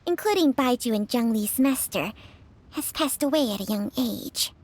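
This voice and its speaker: A woman's voice: fairly high pitch, expressive, moderate pace, a little hiss or hum, natural voice. A woman voicing a sly, ancient white snake spirit with a knowing, teasing way of speaking.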